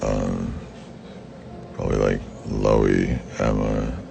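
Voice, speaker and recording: Super deep raspy young guy, gravelly, blunt and sweary, answering fan questions. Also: level tone, slow, warm tone. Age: young adult. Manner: blunt and profane, with frequent swearing. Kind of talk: casual Q&A talk. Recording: background noise.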